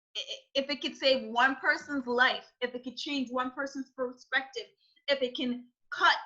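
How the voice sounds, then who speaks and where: A high-pitched woman uses a raised, projected voice with a bright, sharp tone. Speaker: mental health advocate and filmmaker. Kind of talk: interview. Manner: fast; animated.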